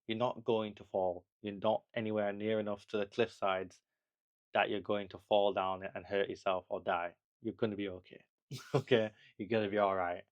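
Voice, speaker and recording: A man's voice: on the low side, lo-fi sound. A young man talking casually to camera in a travel vlog, chatty and rambling, with laughs and restarts, reassuring the viewer. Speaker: travel vlogger.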